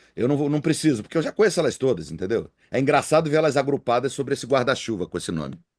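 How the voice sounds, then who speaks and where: Talking at a very fast pace with hardly any pauses, a man uses a fairly high pitch, vocal fry, and lively intonation. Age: 60s. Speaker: DJ and music producer. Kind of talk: casual chat.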